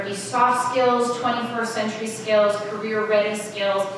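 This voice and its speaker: A woman speaks at a moderate pace with fairly high pitch and fairly even intonation. Noticeable background noise and strong room echo fill the recording. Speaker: panel moderator and education researcher. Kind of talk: panel discussion. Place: meeting room.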